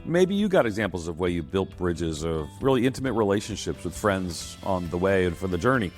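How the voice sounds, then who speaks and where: A middle-aged man hosting a call-in radio show, upbeat and quick, often repeating himself. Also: sits low, very animated, soft background music. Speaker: radio host.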